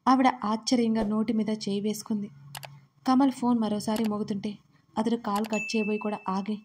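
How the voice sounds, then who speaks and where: A woman's voice: little pitch movement, normal speed, noisy background. A woman narrating a romance audio story, reading all the parts herself in a scripted storytelling style. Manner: reads every part herself, louder and higher in the characters' lines.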